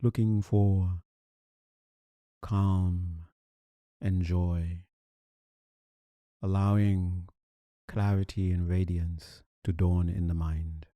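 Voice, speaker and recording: A man leading a guided meditation as a teacher, speaking calmly and soothingly with long, deliberate pauses. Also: sits low, dry recording.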